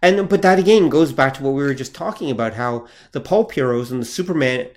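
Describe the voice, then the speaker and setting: A man co-hosting a podcast talks things through at a relaxed pace, thinking out loud with plenty of ums and restarts. His voice sits at an ordinary middle pitch, and he builds his points patiently. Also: a little fast. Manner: thoughtful, explains at length with many fillers. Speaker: podcast co-host. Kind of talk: casual chat about comic history.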